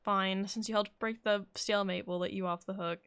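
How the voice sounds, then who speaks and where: Creaky-voiced woman streaming a game. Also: medium pitch, fairly even intonation, a little fast, fairly bright tone. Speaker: live streamer. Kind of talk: casual game stream commentary, reading dialogue aloud. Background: game music.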